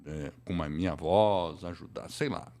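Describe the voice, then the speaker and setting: A man's voice: low voice, measured pace, gravelly, dark tone. A man with a Brazilian Portuguese accent hosting a casual live interview, explaining things in a colloquial way. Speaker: podcast host and podcasting teacher.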